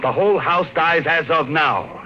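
A man's voice: fairly high pitch, moderate pace, bright, forceful tone, reverberant, a little hiss or hum, rough recording. An American actor playing a troubled, stubborn father in a 1950s radio drama, earnest and dramatic. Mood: bitter, resolute. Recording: old radio broadcast with music behind.

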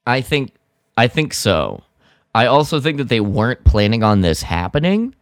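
A man co-hosting a podcast, chatting casually and haltingly as he recaps a story. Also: medium pitch, sing-song, dry recording, clean studio sound. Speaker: podcast co-host. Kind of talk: casual chat recapping a radio drama.

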